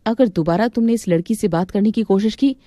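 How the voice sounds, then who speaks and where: A woman's voice: medium pitch, brisk, mellow, no room sound, lightly acted. A woman voicing a hot-tempered young wife in a cartoon, scolding and commanding.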